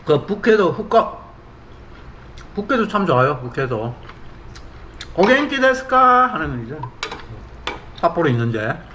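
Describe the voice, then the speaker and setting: A man's voice: a little high, sing-song, normal speed, pauses often, fairly bright tone, a little hiss or hum. A middle-aged man from South Korea hosting a casual eating show, talking expressively as he savors his food, at times with his mouth full. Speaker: mukbang host.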